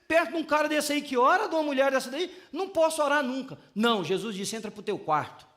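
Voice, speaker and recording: High-voiced man preaching with humor. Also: quick pace. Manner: humorous, animated preaching with acted-out prayers. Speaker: pastor. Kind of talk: sermon.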